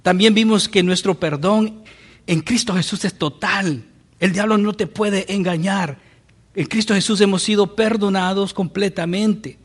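A man's voice: high voice, measured pace, breathy edge. A man preaching a sermon as pastor, teaching with rhetorical questions.

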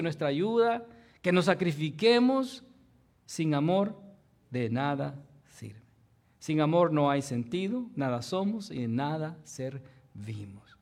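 A man preaching a sermon as pastor. He asks the congregation rhetorical questions, keeps tagging his lines with "¿verdad?", and swings from loud emphasis to soft, almost whispered passages. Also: a little high.

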